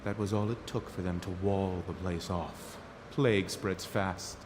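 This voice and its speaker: An actor playing a gruff, gossipy household worker in a video game, heard at a distance. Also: male voice, low voice, steady tone, a little slow, noisy background. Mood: grim. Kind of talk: scripted video game dialogue.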